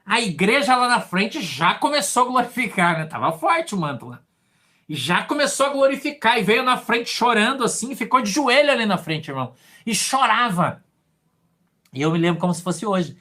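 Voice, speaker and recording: A man with a Brazilian Portuguese accent preaching a sermon, telling a testimony with animated swings from hushed asides to shouted lines. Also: sits high, moderate pace. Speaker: pastor.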